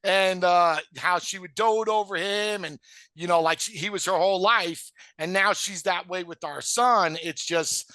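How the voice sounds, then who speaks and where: A man's voice: high voice, a little slow, pushed and bright, no room sound. A man hosting a casual rewatch podcast, talking bluntly and joking with plenty of swearing. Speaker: podcast host.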